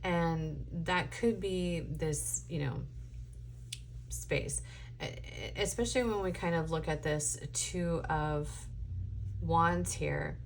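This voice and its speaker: A woman giving a casual spoken tarot reading, her voice going hoarse, meandering and thinking aloud with many ums. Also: low-pitched, slow, slight background noise. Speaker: tarot reader.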